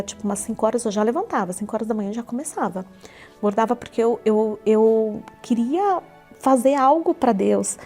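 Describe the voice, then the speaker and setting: A woman's voice: a little high, dark tone. A Brazilian woman in her forties giving an earnest personal testimony, often repeating herself. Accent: Brazilian Portuguese. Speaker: church member giving a testimony. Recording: faint music underneath.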